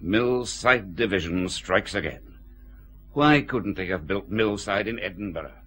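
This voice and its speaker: An actor playing a weary, sardonic senior police chief in a radio drama, grumbling with dry authority. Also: male voice, lowish voice, unhurried, bright, forceful tone, breathy edge, heavily acted. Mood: stern. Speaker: head of CID, senior police officer.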